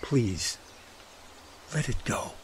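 A man's voice: extremely slow, slight background noise. A man playing an earnest, protective brotherly figure in a radio drama, pleading in a folksy way. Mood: urgent pleading.

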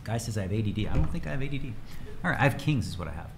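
Energetic chatty man streaming from home. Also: on the low side, rapid-fire, background noise. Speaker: poker streamer. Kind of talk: casual livestream chat. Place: home room, indoors.

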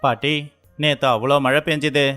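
Man playing a clear-voiced, caring young villager. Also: mid-range voice, steady tone, normal speed, bright, forceful tone, soft background music, lightly acted. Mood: friendly, helpful. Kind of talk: acted dialogue in a children's moral story.

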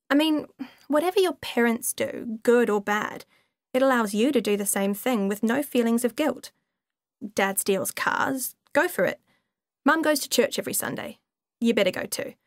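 A woman's voice: fairly high pitch, no room sound, clean studio sound. A young woman narrating an audiobook in a conversational, wry first-person voice. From half British, half New Zealand. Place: recording studio.

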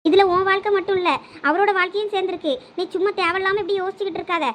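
A woman's voice: extremely high pitch, fairly even intonation, racing, fairly bright tone, slight background noise. A woman playing a caring but bossy younger sister who scolds and coaxes, in a village drama skit. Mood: scolding. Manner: scolding, coaxing.

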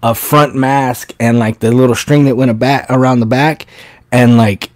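A man's voice: medium pitch, steady tone, normal speed, a little mellow, no echo. Rambling man in his thirties. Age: 30s. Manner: rambling storyteller, swears freely. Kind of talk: casual livestream chat.

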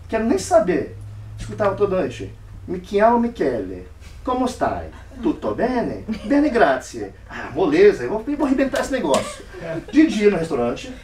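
A man with a fairly high voice tells a lively story as a speech, and his pitch swings widely as he acts out each exchange. He is recorded from a distance in an echoey room, with faint room noise behind him. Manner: animated, acts out dialogue in varied voices. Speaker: speaker giving a club speech. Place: meeting room.

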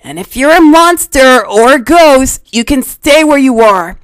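Lady voicing a spunky anime kid hero, high bouncy voice, kinda slow, eager. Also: expressive, no room sound, low-quality recording. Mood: excited. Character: eager spirited boy hero, about ten. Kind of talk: cartoon voice impression demo.

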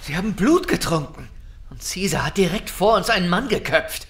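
An actor playing an earnest, blunt street gang member with an urgent manner in an audio drama. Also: male voice, high-pitched, expressive, normal speed. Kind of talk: German audio drama acting.

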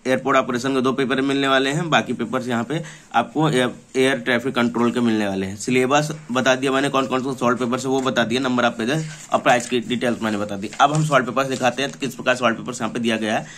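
A man's voice: mid-range voice, steady tone, fast, a bit bright, slight background noise. Man explaining in an informal walkthrough. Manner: repetitive, explanatory, reading out lists. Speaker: presenter for a book publisher. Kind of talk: informal product walkthrough of an exam prep book.

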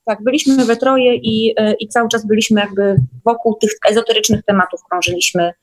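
A woman talks in a fairly high voice. She chats casually and puts emphasis on her points with open enthusiasm. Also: steady tone, fairly quick, a crowd in the background, poor audio. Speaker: guest on an online meeting. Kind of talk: casual chat.

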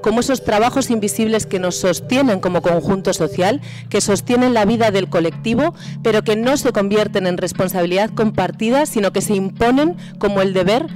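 A woman delivers a measured, rhetorical statement from a panel, stacking phrase upon phrase. Her pitch is middling. Faint music runs underneath. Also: darkish tone. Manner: measured, rhetorical, builds lists. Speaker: feminist economist, tribunal expert. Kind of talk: formal statement. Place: conference hall panel. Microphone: table mic.

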